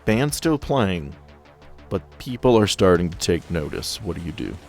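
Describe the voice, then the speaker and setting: A man's voice: low-pitched, big pitch swings, moderate pace, faint music behind. A man game-mastering, moving between improvised scene narration and casual chat.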